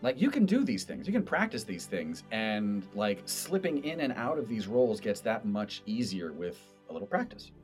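An American man with a fairly low voice talks as a podcast game master. He explains things chattily and expressively, with soft music playing under him. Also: big pitch swings, moderate pace, hardly any pauses. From East Coast of the United States.

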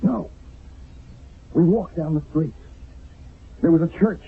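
An actor playing a shaken, stubbornly insistent army sergeant in a radio drama, intense and halting. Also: male voice, on the high side, vocal fry, husky, heavily acted. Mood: distraught, insistent. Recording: tinny old radio broadcast with music.

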